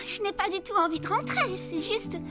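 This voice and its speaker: Very high, sweet cartoon girl. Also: moderate pace. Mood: hesitant, earnest. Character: cheerful, helpful girl music teacher in a children's cartoon. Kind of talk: animated children's cartoon dubbing. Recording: music bed behind the voice.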